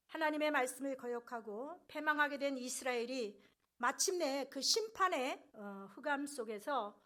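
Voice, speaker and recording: A woman preaching a sermon in earnest, rising loud on key phrases and dropping soft at the ends of sentences. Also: high-pitched.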